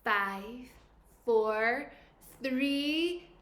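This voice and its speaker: A woman, a primary school teacher, reading a picture book to young children expressively, with dramatic pauses and questions to her listeners. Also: a little high, animated, fairly bright tone, reverberant.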